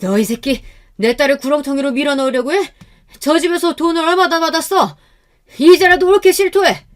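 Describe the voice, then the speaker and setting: An angry village father bellows in protest, as a woman reading the story puts him on. He shouts loudly and indignantly, pitched above her usual narrating voice. It is a storytelling radio drama. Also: brisk, natural voice. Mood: furious.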